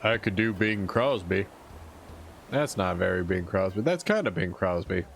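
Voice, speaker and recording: A man's voice: sits low, lively intonation, moderate pace, creaky, soft background music. A man streaming a game, rambling playfully and teasing himself as he plays. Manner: rambling, self-mocking, playful. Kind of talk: casual gameplay livestream chat.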